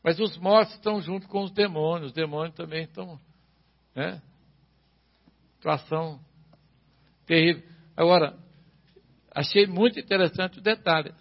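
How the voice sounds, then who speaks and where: High husky male preacher. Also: normal speed, pauses often, lo-fi sound. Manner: preaching with repeated rhetorical questions. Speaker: pastor. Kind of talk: sermon.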